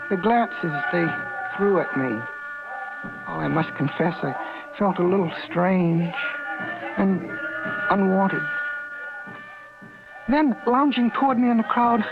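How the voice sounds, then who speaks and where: A timid high-voiced clerk. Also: male voice. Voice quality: timid, hesitant, stammering. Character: timid fussy male department store clerk. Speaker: lead actor and narrator. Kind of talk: 1950s radio drama acting. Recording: tinny old radio broadcast with music.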